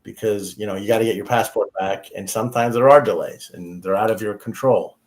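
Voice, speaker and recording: A man's voice: on the low side, brisk, a little mellow. Us lawyer guy giving down to earth visa advice, stumbles on sentence starts. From United States. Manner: practical, repeats himself when starting sentences. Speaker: immigration attorney. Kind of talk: casual advice on a talk show.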